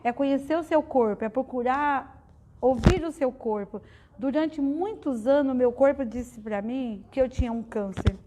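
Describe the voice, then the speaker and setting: Speaking a little slowly in a high voice, this middle-aged guest speaker at a spiritist study center gives a heartfelt testimony to her audience. Her delivery is conversational and full of fillers, and the background is noisy.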